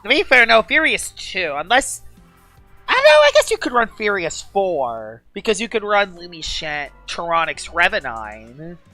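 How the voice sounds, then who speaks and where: Bright, lively woman streamer. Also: mid-range voice, normal speed, faint music behind. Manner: excitable, gushing, chatty. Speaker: game streamer. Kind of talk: casual live-stream chat.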